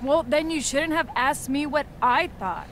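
A woman's voice: high-pitched, animated, measured pace, fairly bright tone, a little hiss or hum, full character voice. A woman voicing a smug female wrestling personality in a video game, snippy and dismissive.

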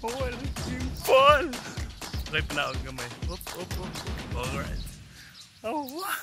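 A young Filipino man hosting a casual house-tour vlog outdoors, talking into a handheld camera and laughing loudly and often. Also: high-pitched, sing-song, moderate pace, over loud music. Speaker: vlogger. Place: outdoors on a hillside estate. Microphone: handheld camera at arm's length.

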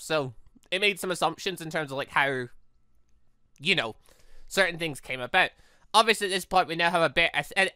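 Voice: medium pitch, bright, forceful tone, clean tone, no echo, studio quality. A let's-play host giving casual, rambling commentary on a visual novel, thinking aloud and correcting themselves along the way.

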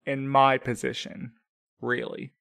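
Einen verbitterten, trauernden jungen Kurier. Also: male voice, medium pitch, monotone, slow, gravelly, a bit bright, dry recording, clean studio sound. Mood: bitter. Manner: bitter, accusing, clipped. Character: grieving angry young male courier, bitter.

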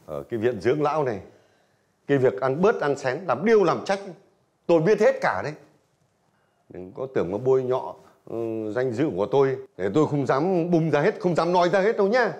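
Gruff, fast-talking old man. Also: on the high side, sing-song. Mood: heated. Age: older. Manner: shouts, scolding and defensive. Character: hot-tempered old man, gruff and proud. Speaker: nursing home resident. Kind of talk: TV drama acting.

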